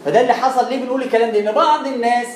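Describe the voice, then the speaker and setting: Fast-talking Egyptian man teaching recitation. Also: extremely high pitch. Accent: Egyptian Arabic. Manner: chatty, repeats words and demonstrates sounds. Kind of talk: explanatory lesson. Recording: roomy echo, faint background noise.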